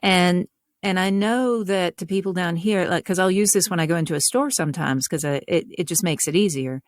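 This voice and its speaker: Southern US woman, guest author; lowish, reflective, rambling, dry close sound. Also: fairly quick, no room sound. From North Carolina, US South. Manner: reflective, talks in long winding sentences. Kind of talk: casual interview chat.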